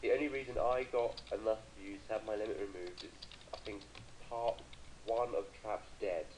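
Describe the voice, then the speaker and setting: A man's voice: fairly low pitch, normal speed, darkish tone, slight background noise, rough recording. A British man chatting on a call, teasing his friend with dry banter. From Britain. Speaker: co-commentator on a call. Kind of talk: casual chat.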